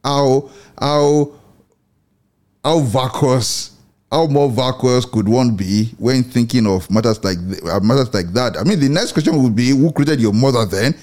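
A man in middle age hosts a Christian radio program with an earnest, measured delivery. He often restates a phrase before going on. His voice sits at an ordinary pitch for a man. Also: a little mellow. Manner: measured, earnest, repeats and rephrases words. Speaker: radio show host.

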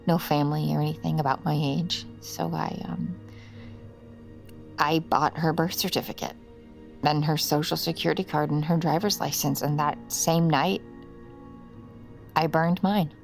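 A haunted mom, low gravelly hushed voice, tired, kinda whispery, soft music behind. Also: female voice, fairly even intonation, a little slow, long pauses. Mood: confessing. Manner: hushed, weary, often half-whispered confession. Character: haunted grieving mother, middle-aged woman. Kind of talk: audio drama acting.

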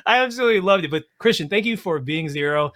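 A man hosting a podcast in a casual chat, animated and quick to laugh. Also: high-pitched. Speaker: podcast host.

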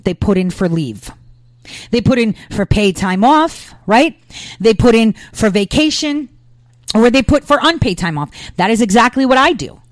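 A woman's voice: a little high, expressive, moderate pace, no echo. A woman from the United States giving emphatic political commentary, peppering her talk with fillers and rhetorical questions.

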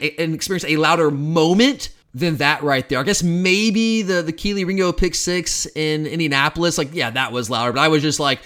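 Guy in his 30s ranting about football on his podcast, quick and kinda high, keeps restarting. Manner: excited, fast and emphatic with frequent restarts. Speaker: podcast host. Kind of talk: casual sports podcast monologue.

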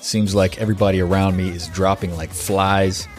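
A man's voice: low voice, flat delivery, moderate pace, a little mellow, soft background music. A man hosting a podcast with a casual, rambling manner, his voice stuffed up and nasal from a cold. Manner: rambling, chatty, with fillers and self-corrections. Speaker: podcast host. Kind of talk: casual podcast intro monologue.

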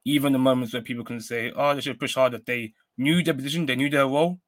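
Podcast guy, flat even voice, calm breakdown, dry close mic. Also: mid-range voice, no echo. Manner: measured, analytical. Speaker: podcast panelist. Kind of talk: casual chat.

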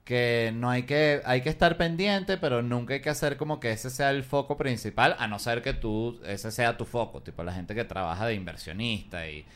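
A man in his thirties talks casually with friends on a podcast. His Venezuelan accent carries an informal, slangy delivery, and he gives his views freely at a medium pitch. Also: normal speed, few pauses, a bit bright. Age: 30s. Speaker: podcast participant. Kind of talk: casual chat among friends.

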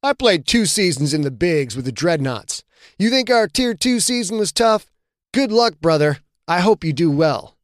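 A man's voice: high voice, very animated, normal speed, dry recording, studio quality, voice pushed up. A man reading an audiobook and voicing a smug, condescending veteran football player near retirement. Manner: wry, condescending. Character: retiring veteran male running back, smug. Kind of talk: audiobook character voice.

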